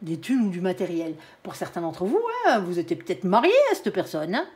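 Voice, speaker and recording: A woman's voice: fairly low pitch, sing-song, fairly quick, darkish tone. A woman with a regional French accent giving a casual tarot reading, chatty and blunt, tagging "hein" onto nearly every phrase. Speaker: tarot reader.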